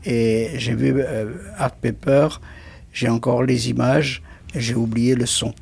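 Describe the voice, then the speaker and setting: An older man with a strongly gravelly voice recalls past concerts as a radio studio guest. His tone is husky, and his pace is slow and hesitant. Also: medium pitch, little pitch movement, a little mellow. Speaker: jazz club president, studio guest.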